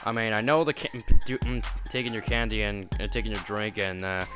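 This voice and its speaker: A man voicing an excitable, bewildered school principal who rambles with many fillers and restarts. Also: fairly low pitch, brisk, over music, lightly acted. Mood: questioning. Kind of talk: amateur animation voice acting.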